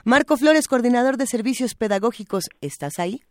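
A woman hosting a morning radio show, asking drawn-out, relaxed questions. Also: on the high side, no room sound, clean studio sound. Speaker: radio host. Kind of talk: casual radio chat.

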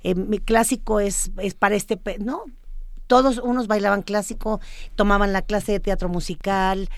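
A woman interviewing a guest, speaking haltingly and with enthusiasm. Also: medium pitch, fairly even intonation, no echo. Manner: halting, many fillers and restarts, enthusiastic. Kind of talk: interview, hesitant chat.

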